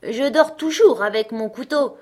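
A woman's voice: a little high, unhurried, a little mellow, pitched above the performer's own voice. A woman doing a fierce bossy little robber girl. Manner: bossy, teasing.

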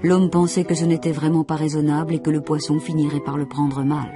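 A narrator reading a fairy tale in an expressive, measured storytelling style. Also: medium pitch. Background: music.

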